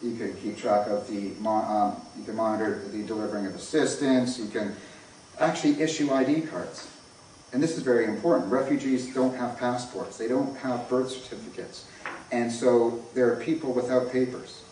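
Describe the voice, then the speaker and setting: A distant, very echoey recording with faint noise carries a North American man speaking as an academic presenter. His pitch is average, and he explains in an informal lecture style. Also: fairly even intonation, moderate pace, dark tone. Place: echoey indoor lecture room.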